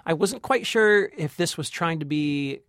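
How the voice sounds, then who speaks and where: A man co-hosting a film review podcast as a critic, chatting casually and haltingly as he searches for phrasing. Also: fairly high pitch, lively intonation, fairly bright tone, clean tone, no echo, clean studio sound. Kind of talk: casual movie review chat.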